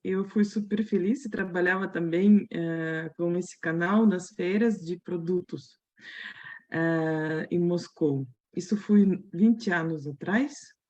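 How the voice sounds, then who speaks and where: A woman's voice: lowish voice, slow pace, darkish tone. A woman in her thirties from the Russian Far East, speaking with a Russian accent and a learner's grammar slips, presenting in a friendly way at a webinar. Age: 30s. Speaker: interpreter and company owner. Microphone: video call.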